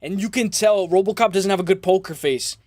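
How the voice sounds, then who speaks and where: A man hosting a casual live fight-preview stream, with a slightly raspy voice, slangy and chummy, repeating phrases and addressing viewers directly. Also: high voice, brisk, darkish tone, no echo, clean studio sound. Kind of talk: casual livestream chat and fight commentary.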